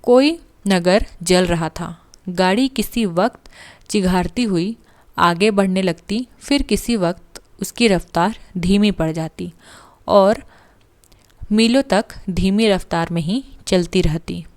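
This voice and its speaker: A woman literature teacher reading a story aloud and pausing to explain it to students. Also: mid-range voice, darkish tone. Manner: slow, deliberate, pauses to explain.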